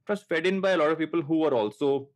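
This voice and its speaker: A man's voice: fairly high pitch, fast. A man in his late thirties with a Telugu Indian accent, talking casually and reflectively as a podcast host, anecdotal and self-deprecating. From coastal Andhra Pradesh, India. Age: late 30s.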